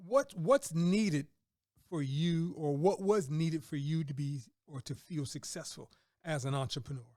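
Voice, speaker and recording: A man's voice: fairly high pitch, a little slow, a little mellow, dry recording, studio quality. A middle-aged man hosting a conversational interview, affirming and repeating words and phrases for emphasis. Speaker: podcast host and business mentor.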